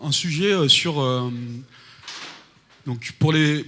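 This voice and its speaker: Man moderating a developer conference, bright voice, hesitant. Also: on the high side, slow, slight background noise. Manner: hesitant, many fillers. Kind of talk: introducing a speaker. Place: conference stage.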